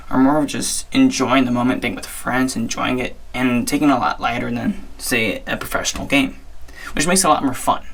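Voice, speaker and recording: A young man hosting his own podcast, his voice hoarse and strained. The tone is gravelly with plenty of fry. He talks in a chatty, upbeat way and often restarts his sentences. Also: medium pitch, a bit bright. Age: young adult. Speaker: podcast host. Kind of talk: casual solo sports talk.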